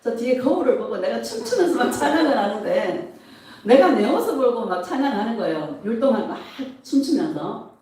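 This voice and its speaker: Animated woman pastor in echoey church. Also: on the high side, brisk. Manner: emotional, animated preaching with laughs. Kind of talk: sermon. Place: church sanctuary. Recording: echoey church hall, mic at a distance.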